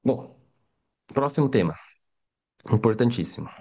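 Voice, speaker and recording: A man's voice: medium pitch, expressive, a little slow, dark tone. A middle-aged man teaching a live online language lesson in a casual, chatty way, often checking in with his students. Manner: casual, chatty, keeps adding tag questions. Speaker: Mandarin teacher.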